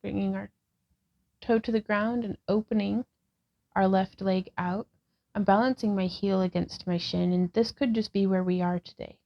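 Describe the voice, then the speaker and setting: A woman in her thirties guides a yoga practice in a calm, gentle way, with a gravelly fry running through her mid-pitched voice. The recording sounds a little dull and lo-fi. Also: normal speed. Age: 30s. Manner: calm, gentle cueing with breath prompts. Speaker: yoga vlogger and instructor.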